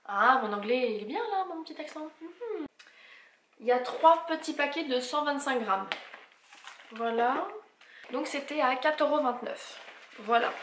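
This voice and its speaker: A woman's voice: high-pitched, a bit bright. A woman chatting casually through a shopping haul, listing items and prices and stumbling over English brand names. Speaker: vlogger showing a shopping haul. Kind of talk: casual haul vlog chat. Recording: echoey room with faint noise.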